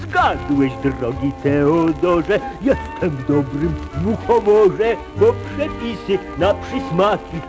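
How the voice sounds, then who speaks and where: A man's voice: fairly high pitch, big pitch swings, takes it slowly, hardly any pauses, poor audio. A man voicing a cheerful, greedy little puppet dragon in a singsong way for a children's musical show. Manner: singsong, exclaiming, rhyming delivery. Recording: music behind, old children's record.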